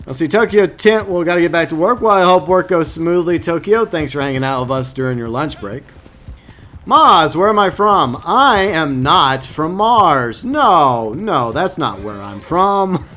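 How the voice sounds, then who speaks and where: A man's voice: a little high, animated, measured pace, bright, forceful tone. A man from Texas, casually chatting to viewers on a live game stream and reading their comments aloud.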